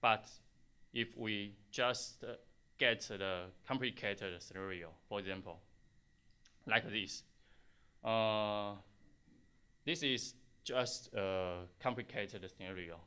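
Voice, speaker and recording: Slow, halting Taiwanese-accented man presenting. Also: fairly low pitch, sharp tone, clear, resonant tone. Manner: halting, hesitant delivery in non-native English with frequent pauses. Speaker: conference speaker, software test engineer. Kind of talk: conference tech presentation.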